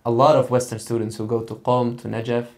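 A man's voice: mid-range voice, level tone, quick pace. A young man hosting a podcast, asking interview questions and often affirming his guest. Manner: supportive, frequent affirmations. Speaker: podcast host. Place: small studio set with plants. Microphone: desk mic on stand.

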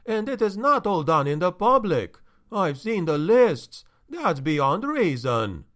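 A man's voice: sits high, very animated, a bit bright, pitched above the performer's own voice, full character voice. A man putting on a shaky, fretful steward. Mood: agitated. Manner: shaky, agitated, slow and pleading. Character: anxious middle-aged male steward, fretful and pleading.

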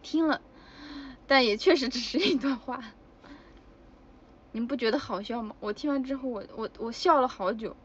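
A woman's voice: a little high, normal speed, slightly rough, muffled recording. A woman chatting casually with fans on a livestream, giggly and exclamatory. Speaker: idol livestreamer. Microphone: phone.

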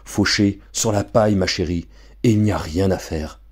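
A man reading aloud, voicing a gloomy, blunt father in a low, sullen tone. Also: moderate pace, husky. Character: gruff bankrupt father, sullen.

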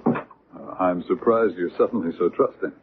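An actor playing an earnest, open-minded doctor and UFO researcher in a conversational radio drama style. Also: male voice, low voice, normal speed, close to an everyday voice. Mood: earnest, intrigued. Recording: muffled, noisy old radio recording.

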